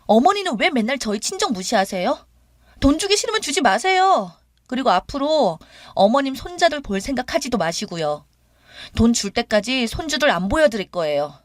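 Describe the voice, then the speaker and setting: A woman's voice: high-pitched, sing-song, fairly quick, no room sound, studio quality, pitched above the performer's own voice. A woman voicing a young, demanding daughter-in-law who talks in a pushy, complaining way. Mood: indignant.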